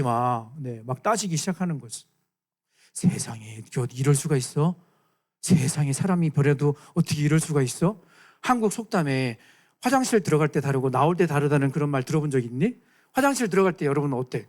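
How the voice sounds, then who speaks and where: Animated high-voiced male youth pastor. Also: fairly quick. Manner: playful, acts out voices, questions the listeners. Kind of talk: lively sermon to students.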